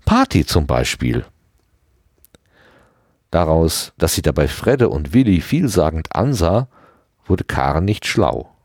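A man narrating a novel with a very deep voice. His pitch moves widely, which gives the reading life. The recording is dry and close, with no room sound. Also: husky, dry recording. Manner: expressive reading voice. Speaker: audiobook reader.

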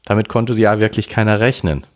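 A man voicing a calm, level-headed teenage boy who reasons things through, in an audiobook reading. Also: fairly low pitch, fairly quick, pitched above the performer's own voice, close to an everyday voice. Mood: thoughtful.

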